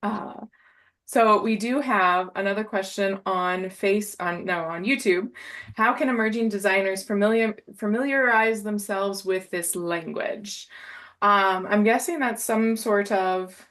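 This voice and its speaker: A woman's voice: mid-range voice, fairly bright tone. Give me a woman hosting a live online Q&A over a video call, passing audience questions to the panel. She speaks hesitantly, stopping often and filling the gaps with "um" and "uh". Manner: hesitant, full of fillers. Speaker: host, Q&A moderator. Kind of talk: live Q&A moderating.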